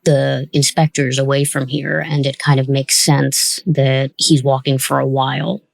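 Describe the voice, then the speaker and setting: A woman's voice: very deep voice, level tone, unhurried, gravelly, no echo. A woman hosting a casual commentary on an audio drama, chatty and reflective as the show's creator.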